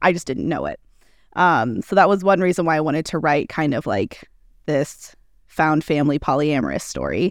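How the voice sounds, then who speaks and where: The woman's pitch is very deep and low, with vocal fry. She speaks at a moderate pace with ordinary pitch variation. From US Midwest (Indiana). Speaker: author. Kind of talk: interview. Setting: remote call.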